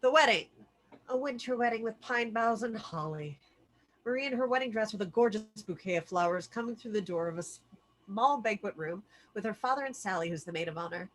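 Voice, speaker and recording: A woman's voice: medium pitch, expressive, brisk, rough recording. A woman narrating the scene headings and action lines of a screenplay at a table read. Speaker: stage-direction reader. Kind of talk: scripted narration of screenplay directions.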